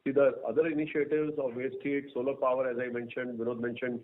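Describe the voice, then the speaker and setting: A man with an Indian accent speaking as a company executive, answering analysts in a halting way and repeating words. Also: medium pitch, little pitch movement. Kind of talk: answering analysts on an earnings call. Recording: narrow tinny phone-line sound.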